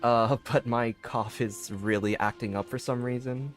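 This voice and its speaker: A man's voice: mid-range voice, steady tone, unhurried. Man rambling casually over game music. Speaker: game streamer. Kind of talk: casual livestream commentary.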